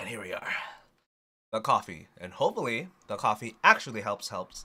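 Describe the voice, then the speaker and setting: A man's voice swings very widely in pitch, bright and sharp in tone with vocal fry. The recording is very clean, with a silent background. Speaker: keyboard streamer. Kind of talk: casual tutorial. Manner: casual, halting.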